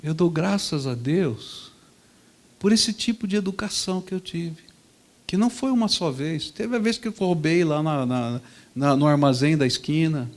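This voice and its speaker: A man, a pastor preaching a sermon in a lively, conversational storytelling manner. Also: fairly high pitch, normal speed.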